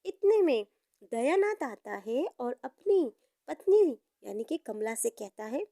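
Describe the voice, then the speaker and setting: A woman's voice: high voice, sing-song, slow pace, warm tone, dry recording, clean studio sound. A woman narrating a moral story in an informal storytelling style.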